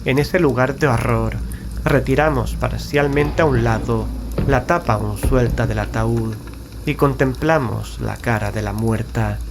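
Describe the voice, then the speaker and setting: A man narrating a gothic horror story in the first person, in a measured, grave, literary manner. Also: medium pitch, noisy background. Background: background music.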